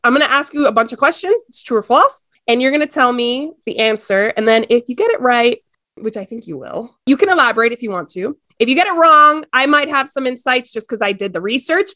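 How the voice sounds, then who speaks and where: Bubbly woman podcast host, bright-pitched. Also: no echo. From Ecuador. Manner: bubbly, chatty, laughs easily. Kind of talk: casual chat.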